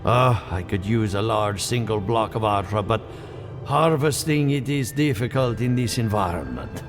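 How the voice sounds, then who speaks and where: An actor playing a courteous, preoccupied researcher in a fantasy game, speaking formally and articulately. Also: male voice, on the low side, moderate pace, close to an everyday voice. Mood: thoughtful, instructive. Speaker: game character. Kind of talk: scripted video game dialogue. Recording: game music behind the voice.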